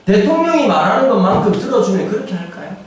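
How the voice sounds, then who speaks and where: A pastor in his forties giving a humorous, animated sermon, now and then acting out voices and shouting for effect. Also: high voice, quick pace. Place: church sanctuary. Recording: echoey church hall, distant mic, faint ambience.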